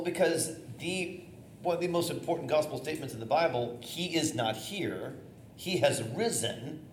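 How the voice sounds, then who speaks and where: A middle-aged man with a loud, theater-trained voice teaches a class on preaching, talking freely with plenty of restarts and fillers. His voice carries energy and sits at an ordinary pitch for a man. It sounds roomy and echoey, with a faint hiss behind it. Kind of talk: informal teaching talk on preaching. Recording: echoey room, faint noise.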